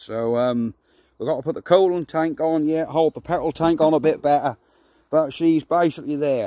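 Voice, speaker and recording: Against a quiet background, a man with a dark, mellow tone speaks at a moderate pace, the sound dry with no echo. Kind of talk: casual vlog chat. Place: garden. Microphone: phone near.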